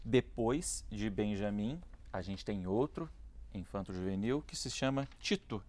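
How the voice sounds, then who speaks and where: A man's voice: lowish voice, measured pace, a little mellow. A man hosting a TV interview program, asking questions in a friendly way and reading scripted segment links. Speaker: TV show host.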